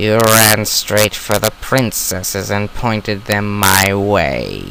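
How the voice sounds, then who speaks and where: In a put-on character voice, a man speaks fairly slowly at a fairly low pitch over clear background noise. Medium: audio drama. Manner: cold, accusing.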